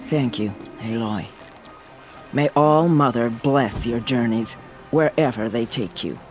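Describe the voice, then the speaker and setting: An actor playing a solemn, dignified tribal war chief in a video game, speaking in a measured way. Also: male voice, medium pitch, over music, natural voice. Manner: measured and grave. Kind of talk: game cutscene acting.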